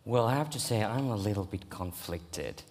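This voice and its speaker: A young Sami man speaking on a stage panel in a slow, deliberate way. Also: fairly low pitch, expressive, a little mellow. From Sami region. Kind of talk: panel discussion. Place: large stage hall. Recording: long hall reverb.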